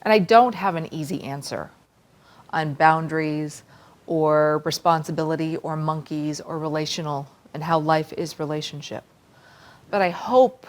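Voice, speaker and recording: A woman giving a conference talk, casual and conversational, inviting the audience to respond. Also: low-pitched. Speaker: conference speaker.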